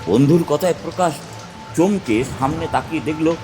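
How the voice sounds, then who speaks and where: A man's voice: on the high side, normal speed, over music. A man telling a village ghost story in the first person as a tantric guru, in a dramatic storytelling manner. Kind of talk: scripted horror narration.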